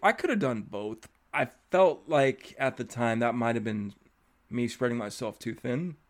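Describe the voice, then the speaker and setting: A young adult man hosts a podcast in an easygoing, conversational way. His voice sits at an ordinary middle pitch, and his sentences often fade out softly at the end. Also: animated, a little slow. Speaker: podcast host. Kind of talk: casual interview chat.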